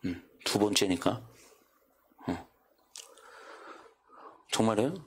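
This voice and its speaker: A man's voice: fairly low pitch, slow pace, husky. A male pastor preaching a sermon in church, asking the congregation one rhetorical question after another and acting out what neighbors might say. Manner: acts out quoted neighbors in his own voice. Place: church sanctuary.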